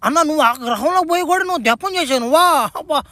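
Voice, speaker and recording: A woman's voice: high-pitched, expressive, rapid-fire, fairly bright tone, no echo. A woman voicing a teasing villager woman on an alien planet in a comedy cartoon, bickering in a rural Andhra Telugu accent.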